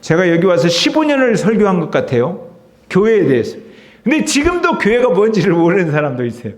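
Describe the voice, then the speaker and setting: A man's voice: high-pitched, very animated, a little fast. A middle-aged man, a pastor, preaching a sermon in an emotive, conversational way to his congregation. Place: church sanctuary. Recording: reverberant church hall.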